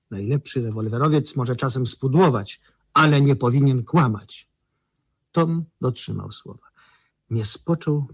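A man's voice: mid-range voice, slightly rough, no room sound, clean studio sound. A man acting an anxious lover in a radio play, confiding and telling stories with relish.

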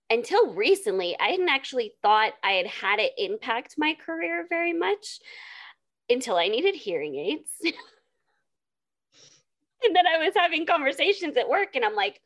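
A young adult woman hosting a podcast, bubbly and excitable in casual chat. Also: fairly high pitch. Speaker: podcast host.

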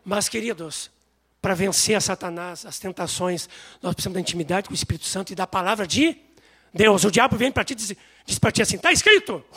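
A man preaching a sermon, telling stories with animated voices. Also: high voice, brisk, breathy edge. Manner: animated storytelling, acts out voices.

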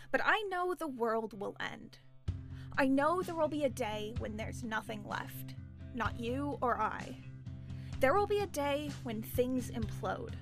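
Brooding, high-voiced woman, bitter and grandiose. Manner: grandiose, declamatory monologuing. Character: brooding, bitter, melodramatic woman plotting revenge on an ex. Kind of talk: audio drama acting. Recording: music behind the voice.

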